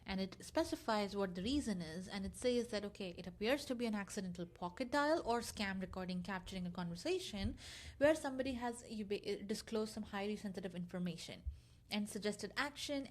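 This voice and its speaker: A woman presenting a software tutorial in a casual, explanatory screencast walkthrough style with loosely scripted delivery. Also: mid-range voice, lively intonation, fairly quick.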